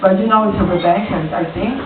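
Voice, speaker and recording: Colombian man doing halting stand-up. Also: sits high, background noise. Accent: Colombian Spanish. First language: Spanish. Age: 40s. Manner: halting, searching for words, many restarts. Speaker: stand-up comedian. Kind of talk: stand-up comedy set. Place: small comedy club. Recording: echoey tinny club recording from far off. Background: audience laughter.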